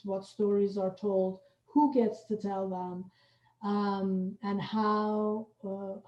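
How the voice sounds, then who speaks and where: Mellow-voiced woman moderating in an echoey room. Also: mid-range voice. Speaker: host and moderator, theater company representative. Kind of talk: moderated panel conversation. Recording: roomy, muffled online-call audio.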